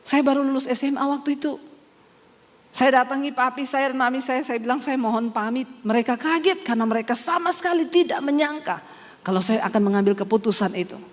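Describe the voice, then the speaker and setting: A woman's voice: high voice, fairly quick. A woman pastor giving a spoken testimony in a sermon, telling her story with strong feeling and acting out the words of others. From Indonesia. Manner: emotional storytelling, acts out her parents' quoted lines. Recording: long hall reverb.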